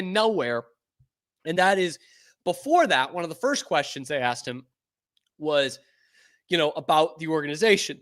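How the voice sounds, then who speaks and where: A man from New England hosting a sports show, talking casually and getting excitable and profane. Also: high voice.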